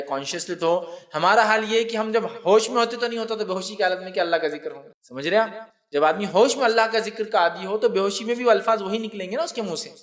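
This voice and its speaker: A man with a fairly high voice preaches in an easy, talk-to-you manner. He explains through homely examples, restarts his sentences and keeps asking whether his listeners are following along. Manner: conversational and unscripted, with restarts and asides. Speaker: Islamic preacher. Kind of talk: religious talk.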